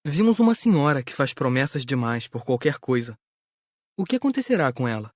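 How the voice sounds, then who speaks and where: A man plays a curious student in an audiobook. His mid-pitched voice swings with lively intonation. The recording is dry. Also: brisk, no room sound, lightly acted. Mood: inquiring. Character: curious male student asking a question. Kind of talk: audiobook dialogue reading.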